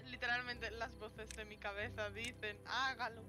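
A woman chats casually while playing a video game. Her voice is fairly high, and music plays clearly behind her. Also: steady tone, moderate pace. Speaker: gamer playing and reacting. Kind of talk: casual gameplay commentary.

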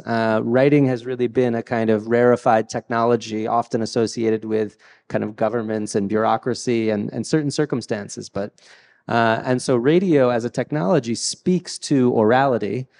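A man's voice: medium pitch, steady tone, normal speed, gravelly, a little mellow, in a large hall. A man moderating a panel talk on stage, speaking thoughtfully into a handheld mic with many fillers and restarts. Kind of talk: hesitant conversational talk. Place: large hall with a stage.

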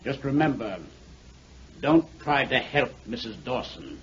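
A man's voice: mid-range voice, a little slow, natural voice. An actor playing a cool, threatening gunman in a 1940s radio drama. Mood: cool menace. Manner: coolly threatening. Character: cool, menacing male gunman issuing threats. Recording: dull, noisy old 1940s radio recording.

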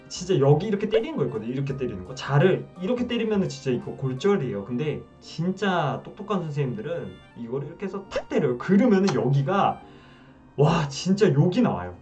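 Man in 20s, vlogger, animated storyteller, lively pitch, dull slightly distant sound, faint music. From Wonju, South Korea. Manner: animated, acts out scenes. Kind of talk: casual storytelling to camera.

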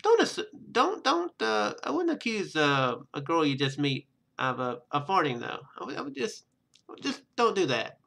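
A man's voice: sits high, wildly swooping pitch, moderate pace, gravelly, bright, forceful tone. A young man hosting a casual game playthrough, reading narration aloud and commenting, sometimes stumbling over words and rereading them. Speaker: let's play host. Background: game music.

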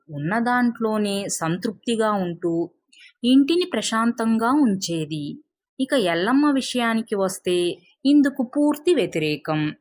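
A woman telling a scripted moral story as a storyteller. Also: mid-range voice. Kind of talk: scripted moral-tale narration.

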